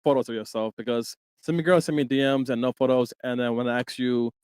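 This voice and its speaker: A man co-hosting a podcast, giving a loose, joking intro and shout-outs. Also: medium pitch, a little fast, smooth, no echo. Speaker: podcast co-host.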